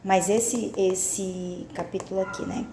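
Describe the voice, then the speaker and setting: A woman reading a Christian book aloud, pausing to add confessional comments and ask the listener direct questions. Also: mid-range voice, steady tone, reverberant, background noise. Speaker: Christian women's devotional speaker.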